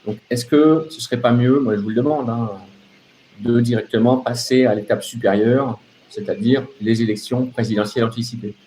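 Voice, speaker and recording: A man's voice: mid-range voice, fairly even intonation, moderate pace, mellow, a little hiss or hum, rough recording. A man delivering an off-the-cuff political rant as a live open-line host, sardonic and emphatic, repeating phrases and throwing out rhetorical questions.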